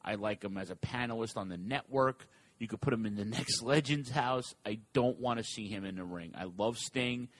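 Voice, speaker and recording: A man co-hosting a casual talk show, reading listener questions and giving his opinions in an animated, offhand way. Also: mid-range voice. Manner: animated, fast asides, reads listener questions. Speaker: podcast co-host.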